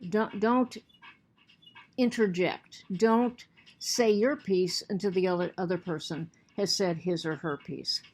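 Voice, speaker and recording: A woman's voice: lowish voice, takes it slowly, a little mellow. A woman teacher giving a recorded lecture to her students, earnest, often repeating and restarting words, and she has the hiccups.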